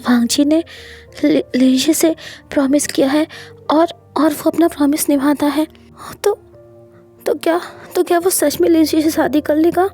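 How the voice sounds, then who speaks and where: A sobbing, stammering young husband, as a woman storyteller puts him on, high and pleading in a mellow tone. He begs and clings in a breathy, shaky voice. Soft music plays faintly behind this storybook reading. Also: steady tone, unhurried. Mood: anxious. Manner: stammering, sobbing, whispery at times.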